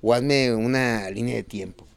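A man's voice: medium pitch, unhurried, creaky. A Mexican man, a history teacher, talking bluntly and colloquially as a guest. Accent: Mexican Spanish. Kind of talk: casual talk as a guest.

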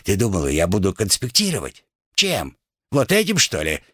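A man's voice: lowish voice, wildly swooping pitch, moderate pace, a bit bright, husky, no echo, clean studio sound, exaggerated voice. A man voicing a scheming, talkative male ship rat who hisses and bosses others about. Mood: exasperated. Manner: hissing, theatrical, bossy.

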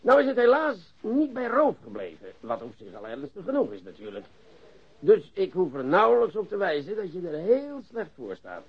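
Sarcastic, high-voiced police interrogator. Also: male voice, very animated. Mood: stern, condescending. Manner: mock-courteous, theatrical, drawn-out emphasis. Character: sarcastic, falsely polite male police interrogator, relentless. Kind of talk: radio play acting. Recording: dull lo-fi radio recording.

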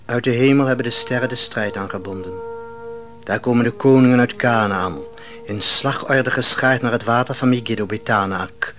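Actor as solemn bard over music. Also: male voice, medium pitch, moderate pace, fairly bright tone, lightly acted. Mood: rousing. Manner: declamatory, poetic, solemn. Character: solemn male biblical bard reciting a war song. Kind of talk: radio play verse recitation.

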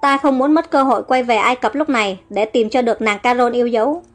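A woman's voice: fairly high pitch, fairly quick, soft background music, lightly acted. A woman voicing a determined, lovesick young prince in a storybook reading.

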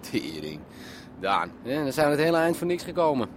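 An actor playing a tough, terse black-market buyer, clipped and non-committal, in a naturalistic radio drama. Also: male voice, fairly high pitch, big pitch swings, moderate pace. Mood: bargaining. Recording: noisy vehicle ambience behind voice.

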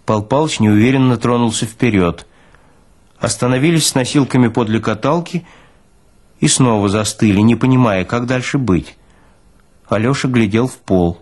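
A man's voice: mid-range voice, moderate pace, darkish tone. A man narrating literary fiction expressively, as in an audiobook.

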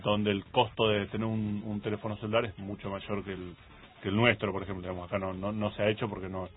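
A man with an Argentine accent co-hosting a radio tech show, explaining things in a relaxed way and often agreeing. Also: fairly low pitch, quick pace, soft background music. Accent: Argentine Spanish. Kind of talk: casual radio chat. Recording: phone-like radio broadcast.

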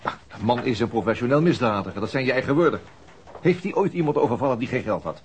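An actor playing a demanding, impatient police investigator in a radio crime drama, terse and needling. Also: male voice, medium pitch, animated, fast, a little hiss or hum, close to an everyday voice. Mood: firm. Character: demanding, impatient male police investigator pressing his colleague.

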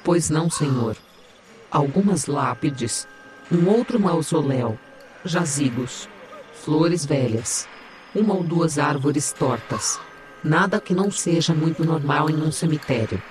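A man voices a digital AI assistant with a diva's vanity in an audio drama. The voice sits a little high, teasing and theatrical, while delivering information matter-of-factly. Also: lively intonation, a little slow, slight background noise. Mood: dry, lecturing. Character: sassy, vain digital AI assistant, self-styled diva.

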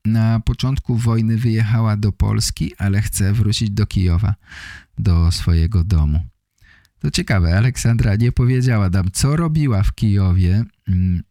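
A man hosting a podcast, giving an explanatory monologue for language learners in short, deliberately phrased sentences. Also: fairly low pitch, warm tone, no room sound, studio quality. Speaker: podcast host.

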